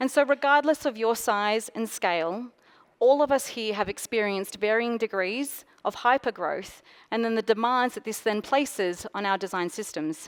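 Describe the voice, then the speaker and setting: In a very clean recording with a silent background and a dry, close sound with no echo, a woman with an Australian accent speaks at a fairly high pitch and moderate pace with ordinary pitch variation. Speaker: design leader. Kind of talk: conference talk.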